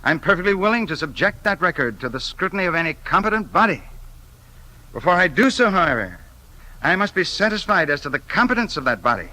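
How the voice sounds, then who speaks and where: A man's voice: sits high, big pitch swings, fast talker, bright, forceful tone, exaggerated voice, low-quality recording. A man playing a pompous, suspicious politician in a 1950s radio play, talking in a lawyerly, insistent way. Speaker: the Investigator.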